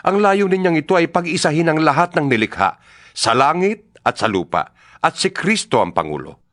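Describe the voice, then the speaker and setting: A man voicing a fervent apostle in a dramatized scripture reading, solemn and exhortatory with deliberate phrasing. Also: fairly high pitch, big pitch swings, a bit bright, no echo, clean studio sound. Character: Paul the apostle, fervent letter-writer to believers. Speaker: scripture reader. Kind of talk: dramatized audio Bible reading, scripted and declamatory. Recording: music bed under the voice. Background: background music.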